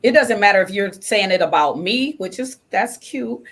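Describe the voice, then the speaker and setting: A woman's voice: medium pitch, expressive, moderate pace, slightly rough. A woman speaking emphatically as a guest in a conversational interview, often repeating phrases for emphasis. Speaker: guest from a stage play production.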